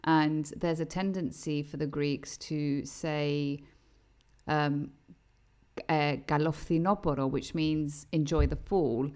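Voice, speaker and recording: A woman co-hosting a podcast, telling stories in an animated, casual way. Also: low-pitched. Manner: animated storyteller, quick to laugh. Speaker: podcast co-host.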